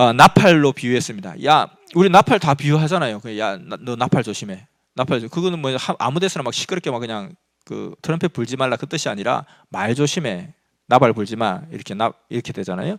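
A man's medium-pitched, animated voice at a fairly quick pace, with very wide pitch swings and big swings in loudness, on a very clean, dry, close recording with a silent background and no echo. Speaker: Bible teacher. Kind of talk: Bible teaching talk.

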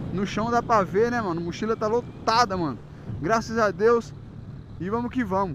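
A man with a high voice talks at a fairly quick pace and ordinary pitch variation, the sound dry with no echo and noticeable background noise behind him. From Brazil. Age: 20s. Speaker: motorcycle vlogger and riding instructor; motorcycle vlogger, riding instructor. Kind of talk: casual vlog. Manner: animated. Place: motorbike.

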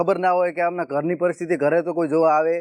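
A man talks in a high voice. The background is quiet. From Gujarat, India (Banaskantha district, Kankrej). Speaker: YouTube comedian. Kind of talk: interview, life story.

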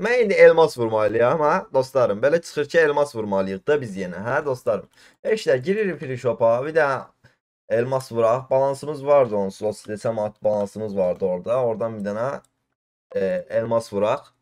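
A man speaks in an animated tone with lively intonation. His pace is moderate, and the background is quiet. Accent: Azerbaijani. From Azerbaijan. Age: 20s. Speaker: gaming youtuber. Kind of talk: gameplay commentary. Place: home room. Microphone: headset.

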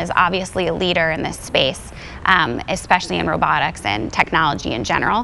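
The speaker talks at a fairly quick pace with an American accent over light background noise. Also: woman. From Pittsburgh, Pennsylvania. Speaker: company regional manager. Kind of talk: TV interview. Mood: upbeat, friendly. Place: studio. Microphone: lapel.

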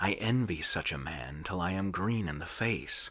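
The man's voice has a bright, sharp tone and some vocal fry. His pitch varies in an ordinary way. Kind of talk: ASMR reading aloud of a classic novel, the narrator's monologue. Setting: studio, close-mic ASMR recording.

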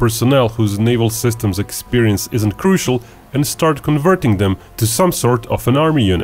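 With music in the background, a man speaks with ordinary pitch variation. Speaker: narrator. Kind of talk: documentary narration.

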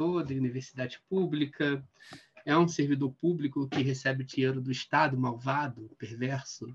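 A somewhat breathy male voice at a moderate pace, with fairly even intonation. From Brazil. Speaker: economist; guest. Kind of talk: interview. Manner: explanatory, didactic. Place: home room. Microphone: webcam.

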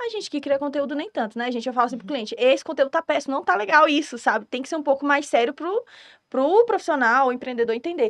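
Talking at a very fast pace over a quiet background, a woman uses lively intonation at a high pitch. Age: 20s. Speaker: social media manager; podcast guest. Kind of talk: casual chat. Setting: studio. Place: studio. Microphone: studio mic.

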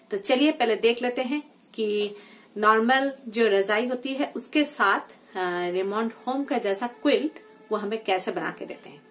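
A woman at a fairly slow pace, with big swings in loudness, ordinary pitch variation and faint music in the background. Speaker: home vlogger. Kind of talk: casual vlog chat. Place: home room. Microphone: phone near.

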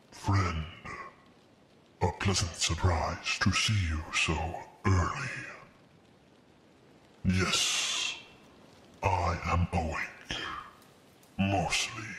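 Putting on a character voice, a man speaks in a very deep, low, raspy tone at a very slow pace with long, frequent pauses. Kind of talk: formal, archaic-tinged speech. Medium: audio drama. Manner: polite, calm, solemn.

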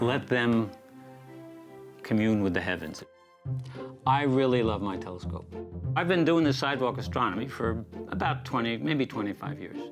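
A medium-pitched man talks at a moderate pace with lively intonation. Music plays in the background, and he takes long, frequent pauses. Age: 80s+. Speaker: amateur astronomer. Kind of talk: interview answer and street chat.

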